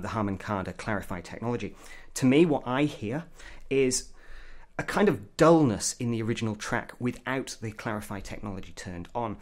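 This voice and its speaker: A man giving an opinionated, blunt product review as a tech reviewer. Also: medium pitch.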